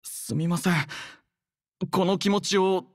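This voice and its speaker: A man voicing an earnest, devoted young male soldier in a game, speaking politely, softly and sincerely in a measured way. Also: high voice, steady tone, no echo, studio quality. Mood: earnest, shy. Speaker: voice actor. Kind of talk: acted game character voice lines.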